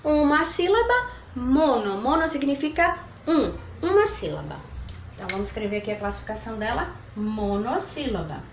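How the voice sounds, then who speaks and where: Lively teacher in echoey room. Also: female voice, fairly high pitch. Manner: slow, drawn-out syllable counting, sweet diminutives. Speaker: primary school teacher. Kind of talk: recorded review lesson for children. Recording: echoey room, faint background noise.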